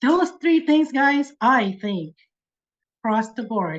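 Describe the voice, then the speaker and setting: With a non-native accent, a woman speaks very slowly, her intonation lively. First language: not English. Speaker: exam passer sharing study tips. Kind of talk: testimony. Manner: animated.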